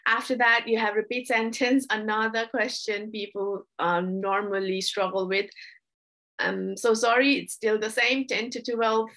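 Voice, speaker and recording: A young adult woman tutor explaining test changes in a casual, chatty way, often apologizing and filling pauses. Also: on the high side, little pitch movement, fairly bright tone, low-quality recording. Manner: chatty, apologetic, with frequent fillers.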